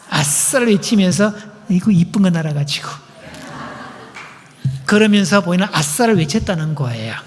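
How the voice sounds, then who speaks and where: A male pastor gives an animated couples-seminar talk, playful and full of questions to the congregation. His voice sits high for a man. Long reverb from a church sanctuary trails every phrase. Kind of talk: lively seminar lecture. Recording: echoey church hall.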